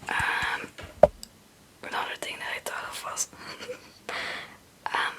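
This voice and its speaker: A young woman, a native Dutch speaker, whispering breathily in a rambling, halting, casual ASMR chat. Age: young adult. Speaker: ASMR video creator.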